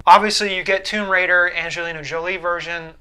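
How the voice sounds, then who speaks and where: A male co-host with a fairly high, bright and forward voice. He talks casually about pop culture, with a wry, matter-of-fact manner. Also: steady tone, a little fast, soft background music, rough recording. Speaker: co-host of a film discussion show.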